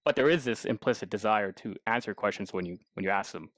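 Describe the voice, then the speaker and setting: A man co-hosting a podcast in casual literary discussion, restarting haltingly as he forms his ideas. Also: fairly low pitch, no echo, studio quality. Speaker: podcast co-host and interviewer.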